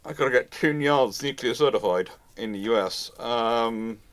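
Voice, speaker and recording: A man's voice: mid-range voice, moderate pace. A man hosting a live question-and-answer chat, talking in a rambling way and often repeating and rephrasing himself. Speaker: host answering audience questions.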